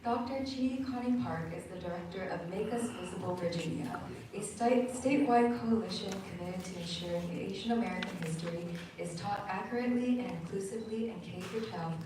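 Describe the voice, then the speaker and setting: A woman's voice: medium pitch, brisk, hardly any pauses. A woman emcee reading a speaker introduction from a script, with small slips and self-corrections. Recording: echoey hall, voice from far off, noisy.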